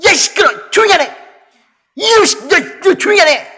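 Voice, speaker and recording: A man voicing an angry crowd that yells and scolds a blind man to be quiet. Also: very high-pitched, very animated, normal speed, long reverb tail, pitched above the performer's own voice, heavily acted. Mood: angry scolding. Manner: yelling, scolding, rough.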